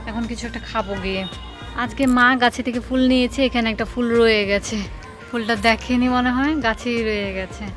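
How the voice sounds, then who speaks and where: Young female vlogger, Bangladeshi Bengali accent, casual running commentary on chores, music bed under her. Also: medium pitch. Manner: chatty, narrates her daily chores as she goes. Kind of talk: casual vlog narration.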